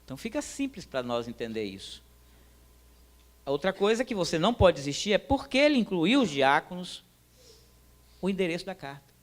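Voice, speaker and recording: A man teaching a church class in a sermon style, emphatic and animated, speaking directly to his listeners. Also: high-pitched, fairly quick, pauses often.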